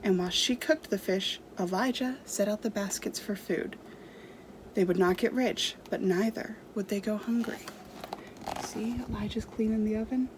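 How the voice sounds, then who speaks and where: A woman's voice: mid-range voice, fairly even intonation, moderate pace, background noise. A woman storyteller reading a storybook aloud to children expressively.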